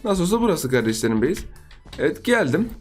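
A man with a high voice gives rapid-fire gameplay commentary, chatting with his viewers and teasing other players. He jumps from excited high exclamations to low, muttered asides. Faint music plays underneath. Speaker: gaming YouTuber. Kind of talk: let's-play gameplay commentary.

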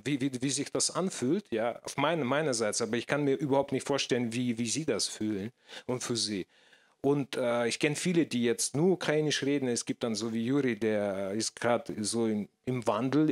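Male panel guest, 30s, Russian accent, halting speech, handheld mic on stage. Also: mid-range voice. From former Soviet Union. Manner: hesitant, searching for words, many restarts. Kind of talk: panel discussion. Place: stage in a small theater, indoors. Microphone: handheld microphone.

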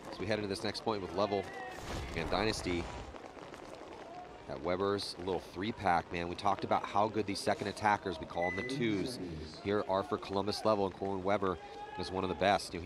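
A man calls a live sports match play by play, his voice sitting on the low side. He gets livelier when the action peaks. Outdoor hum and passing vehicles sit clearly behind him. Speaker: play-by-play commentator. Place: outdoor paintball field.

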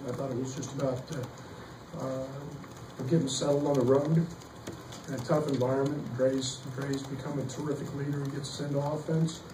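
A middle-aged man, a basketball coach, answering questions at a postgame press conference, halting with many fillers and restarts. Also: medium pitch, little pitch movement. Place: press room behind a table. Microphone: table mic, heard from some distance. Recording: echoey room, distant mic, faint noise.

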